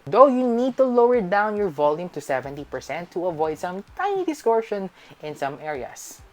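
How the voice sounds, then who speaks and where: Filipino accent woman, pretty low voice, doing a scripted tech review voiceover.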